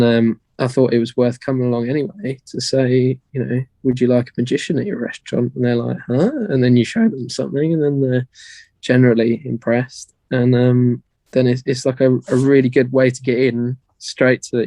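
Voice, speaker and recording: A young British man on a podcast, talking casually as a guest, hoarse and rambling with many fillers. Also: mid-range voice, steady tone, moderate pace, warm tone, no echo. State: losing his voice. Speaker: guest magician.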